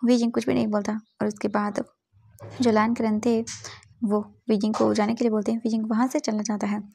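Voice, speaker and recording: A woman's voice: fairly high pitch, flat delivery, brisk, vocal fry, warm tone, slightly rough. A woman narrating a fan story casually, mixing English words into her telling.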